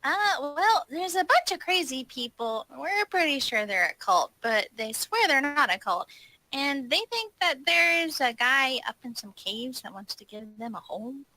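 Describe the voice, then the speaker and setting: A woman's voice: high-pitched, very animated, measured pace, pushed and bright, dry recording, poor audio. A woman playing a tabletop roleplaying game, improvising casual in-character dialogue in a wry way.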